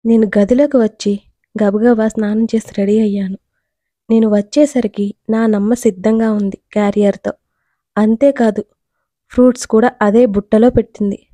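Young woman reading a love story out loud, dark mellow voice, bit high, dry sound. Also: normal speed, no echo. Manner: expressive, dramatic. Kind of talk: first-person audio story narration.

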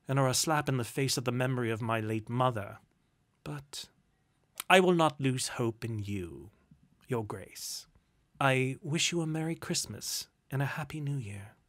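A man voicing a gentle, hurt but hopeful nephew, speaking softly and courteously in a storybook reading. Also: medium pitch, expressive, unhurried, no room sound. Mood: hurt, earnest.

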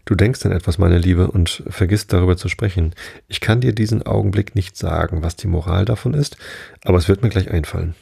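A man's voice: sits low, fairly quick, gravelly, mellow, slightly rough, dry recording, clean studio sound, heavily acted. Man reading as a smug moralizing duchess. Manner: preachy, spins out tangled morals. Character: moralizing, self-satisfied female duchess. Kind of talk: storybook reading.

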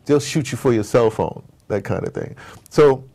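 An American man being interviewed, talking casually as an animated storyteller and often checking in with "you know". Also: medium pitch, moderate pace. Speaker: interview guest, audio drama maker.

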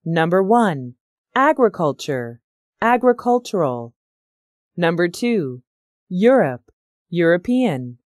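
A woman slowly reading English word lists aloud as a pronunciation model. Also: lowish voice, no echo, studio quality. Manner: very slow, lively, drawn-out word reading.

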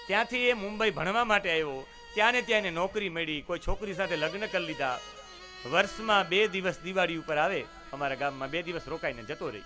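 Brief: a man playing a humble old father, tearful and pleading, fairly high voice, violin underneath. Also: bright, forceful tone. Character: poor old village father, grieving and humble. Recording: violin music behind the voice.

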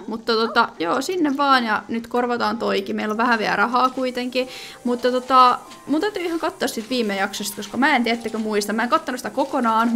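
Lively, high-voiced woman commenting on gameplay. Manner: chatty, thinking aloud with many fillers and sudden exclamations. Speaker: gaming video creator.

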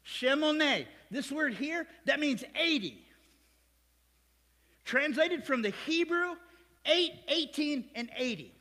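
A male pastor with an American Midwest accent preaches in a church sanctuary, his voice pitched high for a man. He is animated, cracking jokes and asides to the congregation. The sound carries a long hall reverb. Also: slow pace. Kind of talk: sermon.

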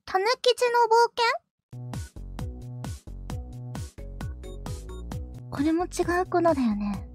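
A woman playing a possessive yandere little sister in a live-stream role-play, with a very high, childlike voice. She dotes sweetly, then grows jealous and menacing, and now and then sinks into hushed whispers. Faint children's music plays behind her. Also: very animated, normal speed. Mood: pouty, needling.

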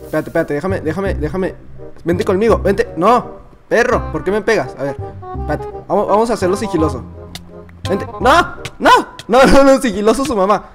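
A man playing an excitable Mexican little boy. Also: high-pitched, normal speed, music in the background. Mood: playful. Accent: Mexican Spanish. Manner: childish, excitable, chattering to himself. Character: boastful, naive little boy gamer. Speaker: gamer. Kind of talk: comedic gameplay commentary.

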